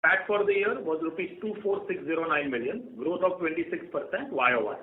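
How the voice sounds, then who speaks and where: A man, a company executive, reading out a scripted results presentation over a conference call. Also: on the high side. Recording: roomy, noisy phone-line conference call.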